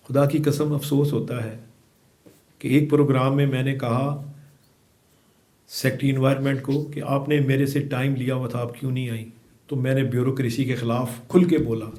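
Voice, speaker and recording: A middle-aged man from Pakistan, a former chamber of commerce president, giving emphatic interview answers that swing from forceful outbursts to low, quiet remarks.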